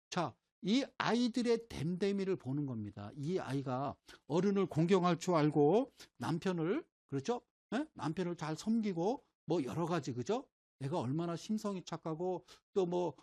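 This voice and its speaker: A man's voice: high voice, darkish tone. A middle-aged man lectures informally on investing, leaning on everyday examples as he sketches on a board. His voice moves up and down with plenty of life. He keeps stopping to ask whether his listeners are following. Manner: folksy, keeps asking "right?" to check the audience follows; explains with everyday homespun examples while drawing. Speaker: stock market lecturer.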